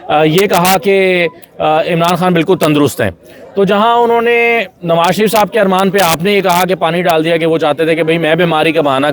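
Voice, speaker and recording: Pakistani journalist guy explaining politics conversationally, highish voice, emphatic and repeats stuff. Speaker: journalist, guest analyst.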